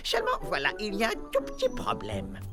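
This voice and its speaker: An actor playing a proud, excitable elderly little inventor creature in a children's cartoon, theatrical and a bit hesitant. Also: medium pitch, fairly quick, creaky, loud music behind the voice. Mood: flustered. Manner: hesitant, theatrical, swooping exclamations. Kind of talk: animated children's series dub.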